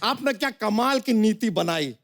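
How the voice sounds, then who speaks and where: An actor playing a boastful rustic milkman who mixes broken English into his loud, punning banter, on a comedy stage. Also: high-pitched, animated, a little slow, gravelly, full character voice. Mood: playful. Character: Bachcha Yadav, boastful rustic milkman, adult man. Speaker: comic character on a sketch show. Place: studio stage before a live audience. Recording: studio with loud audience noise.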